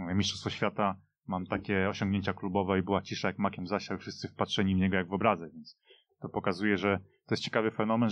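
A man's voice: fairly low pitch, no room sound. A man giving opinionated, conversational football punditry in a radio discussion. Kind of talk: casual opinionated sports discussion. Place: radio studio. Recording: dull, muffled studio audio.

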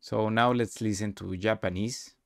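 Low, gravelly man presenting a demo. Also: fairly even intonation, normal speed, no room sound, studio quality. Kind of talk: casual screen-recorded tutorial narration.

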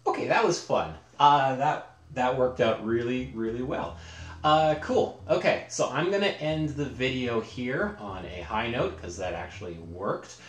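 A man's voice: mid-range voice, expressive, a little slow. A man in his thirties talking casually and conversationally to camera as a video host in a small home room. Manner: informal, conversational. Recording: roomy home recording.

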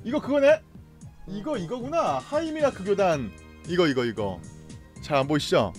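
A young man streaming a game live, reacting loudly, laughing and greeting viewers. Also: high-pitched, very animated, moderate pace, soft background music.

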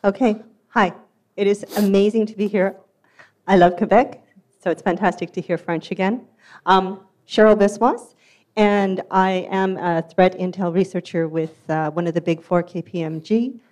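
A woman's voice: mid-range voice, steady tone, moderate pace, darkish tone. A woman giving an enthusiastic, upbeat conference talk in a hall. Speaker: security conference speaker.

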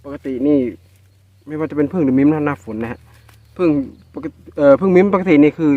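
ชายไทยอีสานตื่นเต้นกลางป่า. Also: male voice, on the high side, fairly quick, no echo, phone-quality sound. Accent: Northeastern Thai. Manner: excited exclamations, addresses viewers as brothers and sisters. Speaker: outdoor vlogger harvesting wild bee nests. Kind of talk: casual narration while working outdoors. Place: outdoors in rural scrubland.

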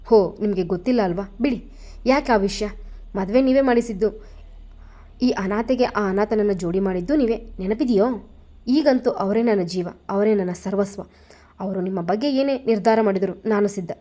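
A defiant young wife delivers cutting, sarcastic retorts, voiced by a woman narrator. Her tone is warm and dark, at a middling pitch. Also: normal speed, natural voice.

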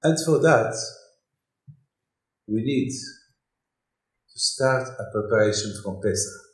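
An older man from Morocco, giving an animated Torah lecture in English, repeating his phrases. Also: on the low side, slow pace. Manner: animated, gesturing broadly, repeats phrases, non-native English. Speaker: rabbi. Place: synagogue hall, indoors. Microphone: desk mic on stand. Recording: echoey hall.

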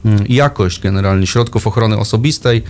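A man's voice: fairly low pitch, fairly quick, darkish tone, faint music behind. A man taking part as a guest in a radio interview, listing points hesitantly with many fillers. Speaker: guest official. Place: radio studio.

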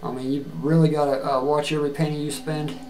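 A middle-aged man giving a plain-spoken, earnest video resume, halting often with fillers and restarts, recorded on a webcam in a small room. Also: a little high, little pitch movement, darkish tone, a little hiss or hum. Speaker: job seeker. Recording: echoey room with faint ambience.

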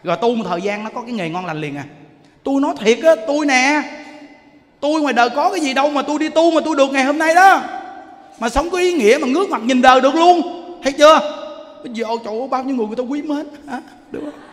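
A man giving a lively dharma talk, telling stories and exclaiming as he preaches. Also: extremely high pitch. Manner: animated, exclaiming, quick shifts between loud and soft. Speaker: monk preacher. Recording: long hall reverb.

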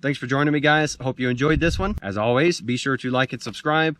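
A man's voice: medium pitch, fairly quick, fairly bright tone. An American man in his forties giving a casual, plain-spoken gear review to camera outdoors. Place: outdoors in a dirt clearing among pines.

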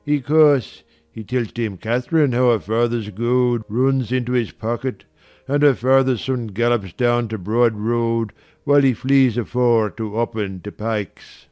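A man's voice: mid-range voice, darkish tone, no echo, soft background music, lightly acted. A man playing a scornful, preachy old servant with a Yorkshire accent in a dramatized audiobook, speaking in emphatic dialect. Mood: scornful, scandalized. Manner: slow, emphatic dialect speech.

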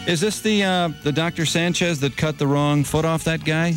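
A man's voice: fairly high pitch, normal speed, fairly bright tone, soft background music. A man with an American accent bantering casually as a morning radio host, close on a studio mic. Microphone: close broadcast studio microphone with headphones.

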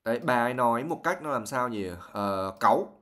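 A young man, a native Vietnamese speaker, teaches English vocabulary to his live-stream viewers. He works through a novel passage by passage, reading aloud and then explaining each word in a chatty, patient way. His voice sits at an ordinary middle pitch. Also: lively intonation, fairly quick, fairly bright tone. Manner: reads passages, then explains words at length.

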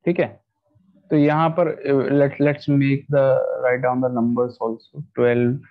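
A man with a South Asian accent teaches maths to pupils in an online class, mixing Hindi and English and checking in with short questions. He talks fast at a medium pitch with little pitch movement, over dull, lo-fi video-call audio.

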